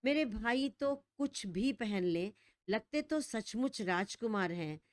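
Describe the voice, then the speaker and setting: A woman voicing a gentle young man, an older brother who speaks mildly and fondly. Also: a little high, lively intonation, takes it slowly, dry recording, clean studio sound.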